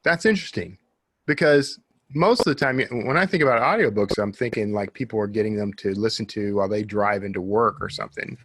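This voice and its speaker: A man's voice: on the low side, brisk, a bit bright, no echo. A man hosting a podcast, chatting casually and informally with a guest. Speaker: podcast host.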